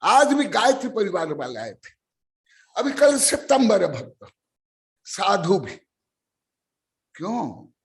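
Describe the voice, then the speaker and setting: A man's voice: high voice, huge pitch swings, slow pace, creaky, pauses often. A man giving a sermon on scripture in an emphatic, scolding, lecturing manner.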